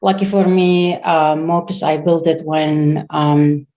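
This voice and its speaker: A woman in her thirties from Syria speaks as a founder in a casual interview. Her voice sits unusually low for a woman. She talks in a halting way, pausing and restarting as she searches for the right words. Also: little pitch movement, dark tone. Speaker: startup founder, guest.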